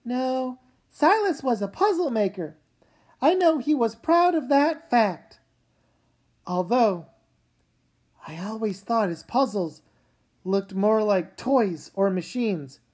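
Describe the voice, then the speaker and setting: Woman as weary mom, unhurried, measured, gently firm, comic story reading. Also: on the high side, animated, pitched below the performer's own voice. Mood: informative. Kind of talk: comic book read-aloud.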